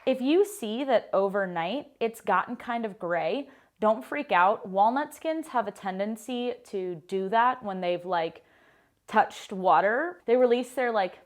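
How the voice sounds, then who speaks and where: American woman in her 30s, pastry chef walking you through a recipe, chatty and upbeat, says like a lot. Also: mid-range voice. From United States. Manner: chatty, upbeat, frequent "like" fillers. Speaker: baker and pastry chef, cooking show host. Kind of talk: casual cooking tutorial. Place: home kitchen.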